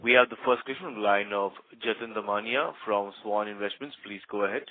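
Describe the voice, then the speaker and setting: A man's voice: lowish voice, fairly quick. A man giving scripted operator announcements as moderator of a conference call, over a phone line. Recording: narrow phone line with faint noise.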